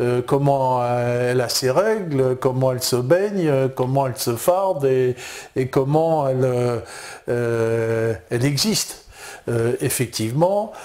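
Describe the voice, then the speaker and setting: A very slow, medium-pitched male voice with a dark, mellow tone. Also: ordinary pitch variation. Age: 60s. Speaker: history lecturer. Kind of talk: studio interview explaining history. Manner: halting, many fillers and repetitions.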